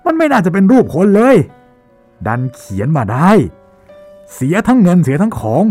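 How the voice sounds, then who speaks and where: An audiobook character, acted by a man, is a hot-tempered shop manager. He rants in loud exasperation, and his pitch is pushed well upward. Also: huge pitch swings, moderate pace, faint music behind, full character voice. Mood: angry, exasperated. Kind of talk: dramatized audiobook acting.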